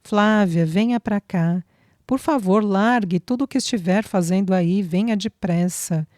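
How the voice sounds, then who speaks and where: A young man in love, pleading and shaken with emotion in an audiobook, as a female narrator reads his part. Low, mellow, dry close sound. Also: unhurried, dry recording, natural voice. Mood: moved, pleading. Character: loving young man, moved to tears.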